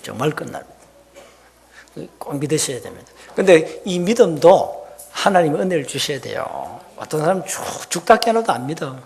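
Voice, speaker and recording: A male pastor preaching a sermon in church, swinging between loud emphatic declarations and soft, repetitive asides. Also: on the high side, sing-song, normal speed, creaky. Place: church sanctuary.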